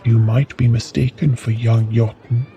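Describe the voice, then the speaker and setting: An actor playing a stern, composed palace giant in an audio drama, speaking in a formal, commanding way. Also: male voice, medium pitch, fairly even intonation, moderate pace, warm tone, highs cut off, soft background music, natural voice. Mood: measured, guarded.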